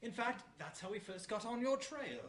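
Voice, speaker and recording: A man playing a cautious, avuncular gentleman doctor in a radio mystery, with a hesitant, fussy and polite way of talking. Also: very high-pitched, lively intonation, normal speed, full character voice. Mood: genial. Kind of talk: radio mystery drama acting.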